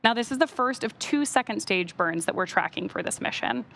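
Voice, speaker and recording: A woman's voice: fairly high pitch, expressive, fairly quick, a bit bright. A woman hosting a live launch webcast, explaining things step by step as commentary.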